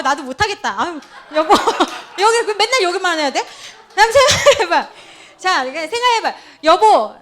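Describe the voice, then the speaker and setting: A woman's voice: extremely high pitch, a bit bright. A middle-aged woman pastor giving a playful, interactive sermon in a church, laughing often and quizzing her congregation by name. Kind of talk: lively interactive sermon with role-play. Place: church sanctuary.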